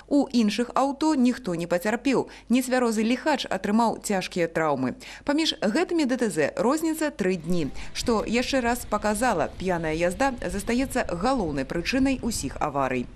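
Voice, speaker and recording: A woman with a Belarusian accent reading a scripted news report in a measured newsreader manner. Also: medium pitch. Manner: measured, lively newsreader delivery.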